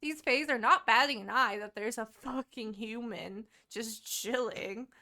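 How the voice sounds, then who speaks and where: Bright, high-voiced woman swearing freely. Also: measured pace. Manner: profane, animated book recap. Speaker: podcast co-host. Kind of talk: casual chat.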